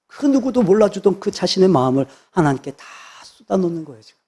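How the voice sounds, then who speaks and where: A man's voice: high-pitched, very animated, quick pace, warm tone, breathy edge. A man, a pastor, preaching a sermon with emphatic repetition of phrases. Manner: emphatic, repeats phrases for stress.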